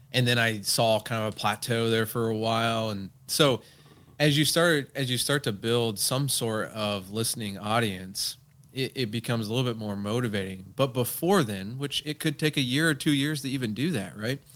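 A man speaks with a normal speaking voice at a medium pitch. His pace is moderate, and his pitch variation is ordinary. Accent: American. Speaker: podcast host and consultant. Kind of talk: casual interview.

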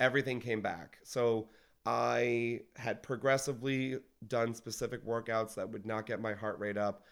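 An ordinary speaking voice with an American accent, moderate pace and fairly even intonation on a very clean recording with a silent background. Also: man, medium pitch for a man. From Long Island, New York. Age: 30s. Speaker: fitness instructor. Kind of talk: casual chat.

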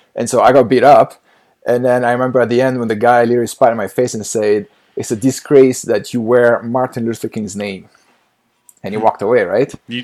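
A man speaks very fast at a medium pitch with a French accent. His intonation stays monotone and flat. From France. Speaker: heavy duty mechanic and drone pilot. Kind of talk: casual interview conversation.

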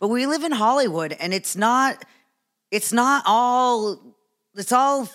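Lively intonation runs through speech delivered at a very slow pace. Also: woman. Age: 50s. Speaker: comedian and actor, podcast host. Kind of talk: casual chat. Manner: enthusiastic.

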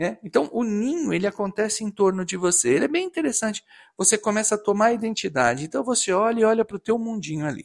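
A man's high-pitched voice at a very fast pace, very cleanly recorded over a silent background, in a dry, close sound with no echo. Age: 50s. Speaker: radio host and behavior coach. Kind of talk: casual radio talk. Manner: conversational.

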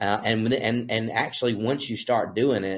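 A man with an Alabama accent speaks at a moderate pace in a fairly low, flat monotone over a quiet background. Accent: Southern US (Alabama). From Alabama, US South. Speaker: real estate broker. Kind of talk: casual interview conversation.

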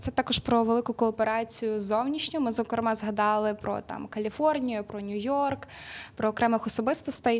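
Fairly high in pitch and with fairly even intonation, a woman talks in a plain, everyday voice. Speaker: podcast host. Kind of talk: interview.

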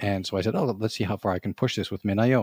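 A man with a Canadian accent has an ordinary speaking voice, a fairly low pitch and fairly even intonation. The very clean recording has a silent background and a dry, close sound with no echo. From Canada. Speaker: IT infrastructure and data protection consultant. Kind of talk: casual interview chat.

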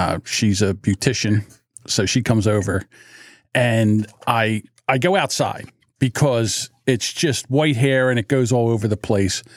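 With a Philadelphia accent, a man speaks at a medium pitch and a fairly slow pace, his pitch varying in an ordinary way and his loudness very even. The recording is very clean with a silent background, and the sound is dry and close with no echo. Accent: Delco (Philadelphia-area). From Delaware County, Pennsylvania. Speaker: podcast host. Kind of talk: casual chat. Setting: studio, live-streamed.

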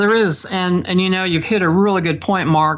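A woman with an American accent speaks in an unremarkable speaking voice, fairly low in pitch. Her pitch varies in an ordinary way over a quiet background. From US, Idaho. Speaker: author and business networking expert. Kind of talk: podcast interview.

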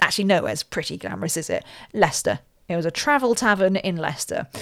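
On a very clean recording with a silent background, a woman with an English accent speaks at medium pitch and a fairly quick pace. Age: 40s. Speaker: podcast host and former radio presenter. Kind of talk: solo podcast talk. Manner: chatty, laughing at times.

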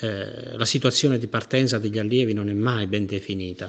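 Fairly even intonation and a medium pitch shape this man's talk in an ordinary speaking voice. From southern Italy, Basilicata. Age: 60s. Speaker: retired volunteer Italian teacher. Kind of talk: interview testimony.

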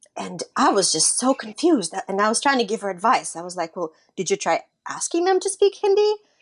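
The woman's pitch swings very widely as she talks at a moderate pace. The sound is dry and close, with no echo. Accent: Russian. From Saint Petersburg, Russia; raised in US from age 13. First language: Russian. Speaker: writer and parent. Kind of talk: interview conversation.

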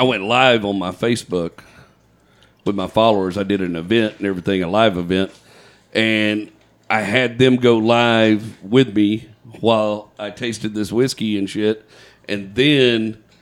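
Delivered in a Texas accent, the speech moves at a fairly slow pace with fairly even intonation. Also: man, fairly low pitch for a man. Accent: Texas drawl. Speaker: podcast guest. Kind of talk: casual chat.

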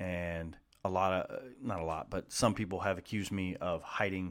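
In a very clean recording with a silent background, a man speaks with an American accent. His pitch is very deep and low, and his intonation monotone and flat. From Columbus, Ohio, US Midwest. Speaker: sports podcast host. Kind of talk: casual monologue.

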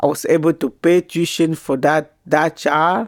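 Speaking very slowly with a Cameroonian French accent, a woman with a fairly low pitch is heard on a very clean recording with a silent background. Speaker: nursing assistant. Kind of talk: testimony. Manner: halting.

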